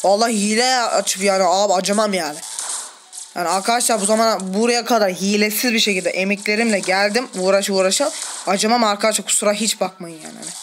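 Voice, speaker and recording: Over noticeable background noise, a man talks at a fairly quick pace with a high pitch. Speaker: gaming video creator. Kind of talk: gameplay commentary. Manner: animated.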